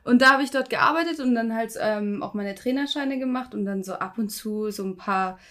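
A woman's voice: on the high side, brisk, sharp tone. A woman in her twenties from Munich, a fitness influencer and podcast guest, speaking casually with lots of hesitation. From Munich, Germany. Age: 20s. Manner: hesitant, many fillers and restarts.

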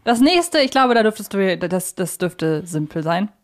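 Woman co-hosting a podcast, normal pitch, chatty quiz banter. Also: sing-song, measured pace. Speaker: podcast co-host. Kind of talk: casual chat, fan quiz banter.

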